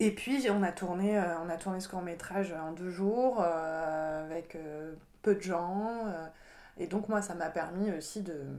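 Room echo is audible as a woman speaks at a very slow pace. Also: medium pitch for a woman, ordinary pitch variation. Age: 20s. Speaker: author and film director. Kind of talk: interview. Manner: halting.

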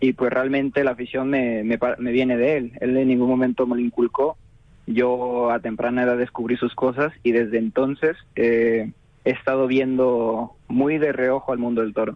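In a Mexican accent, a man speaks with monotone, flat intonation and very even loudness. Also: medium pitch for a man, moderate pace. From Mexico, Guadalajara, Jalisco. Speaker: novice bullfighter. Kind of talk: interview. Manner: halting.

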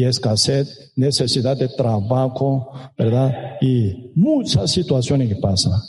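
A man's mid-pitched voice varies in pitch in an ordinary way. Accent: Korean. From South Korea. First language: Korean (speaking Spanish). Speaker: pastor. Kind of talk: sermon. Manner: halting.

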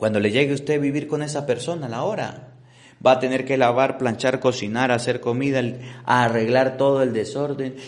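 Fairly quick, monotone speech from a man at a medium pitch, flat in intonation, with audible room echo. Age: 30s. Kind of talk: sermon.

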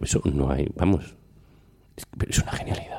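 Dark and mellow in tone, a man's voice moves at a fairly quick pace. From Asturias, Spain. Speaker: lawyer and podcast host. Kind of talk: casual chat.

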